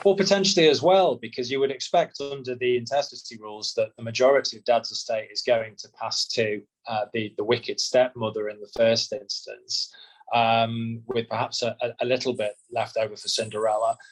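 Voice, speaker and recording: A man answering as a solicitor, measured and explanatory, often repeating words as he restarts. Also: medium pitch, steady tone, poor audio. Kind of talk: expert interview answers.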